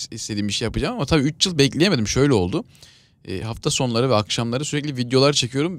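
A man at a very fast pace, lively intonation, dry sound with no echo. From Turkey, Kayseri; Turkey. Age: 30s. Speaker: comedian; podcast guest. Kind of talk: casual chat. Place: studio. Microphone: studio mic.

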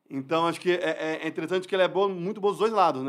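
A man rattles off his words at a very fast pace, with a quiet background behind him. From Brazil. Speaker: urban mobility advocate; podcast guest. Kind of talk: casual interview; interview answer. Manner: halting. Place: studio. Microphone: studio mic.

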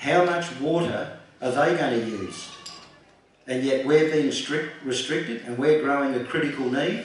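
A man speaks in an Australian accent at a moderate pace, with ordinary pitch variation. The room echo is strong, and there is light background noise. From South Australia. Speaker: advocacy group founder and farmer. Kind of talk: public speech. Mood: indignant, campaigning. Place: hall. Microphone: podium.

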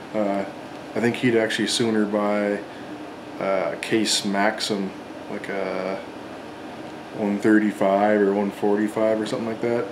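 A man talks at a fairly slow pace and a fairly low pitch, with long, frequent pauses. His intonation is monotone and flat, and there is noticeable background noise. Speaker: farmer vlogger. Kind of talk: casual vlog chat. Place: home room. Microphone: phone near.

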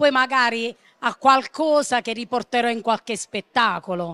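A woman speaks in a bright, sharp, animated tone with ordinary pitch variation. The recording is very clean and dry, close with no echo and a silent background. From Matera, southern Italy. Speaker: comedic performer. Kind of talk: casual interview.

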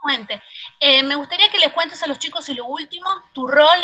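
A woman in a Rioplatense accent uses a raised, projected voice at a moderate pace. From Argentina. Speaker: university lecturer. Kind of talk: interview. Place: home room. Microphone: headset.

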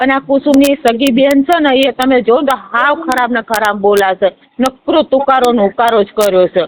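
A woman speaks in a high pitch with ordinary pitch variation and very even loudness, in a dry, close sound with no echo. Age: 60s. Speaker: mother-in-law in family dispute. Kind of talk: phone argument.

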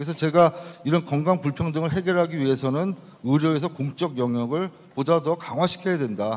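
With ordinary pitch variation, the delivery holds a moderate pace. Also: man. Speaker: political recruit, thoracic surgeon; candidate. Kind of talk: talk concert. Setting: stage with audience. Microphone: handheld.

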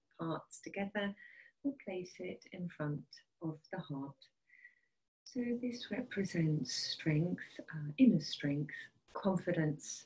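A woman speaks very slowly in a fairly low, somewhat breathy voice with a dark, mellow tone, leaving long, frequent pauses. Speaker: yoga teacher. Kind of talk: instructional yoga class intro. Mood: calm, soothing. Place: home room. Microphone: camera far.

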